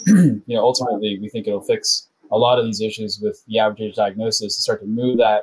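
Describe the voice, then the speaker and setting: Fairly quick and medium-pitched, a man talks with fairly even intonation. His is an unremarkable speaking voice. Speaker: professor and researcher. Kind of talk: interview conversation.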